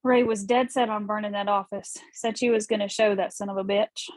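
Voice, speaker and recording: A woman's voice: medium pitch, fairly even intonation, a little fast, darkish tone, dry recording, close to an everyday voice. A woman reading the part of a defiant, headstrong young wife in a drama, with an assertive, dry manner. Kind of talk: screenplay table read.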